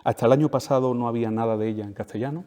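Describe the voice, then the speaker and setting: A man's voice: medium pitch, steady tone, racing, dark tone. A man from giving an emphatic lecture, repeating key phrases and checking in with tag questions. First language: Spanish. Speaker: speaker at a talk. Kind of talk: lecture to an audience. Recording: reverberant hall.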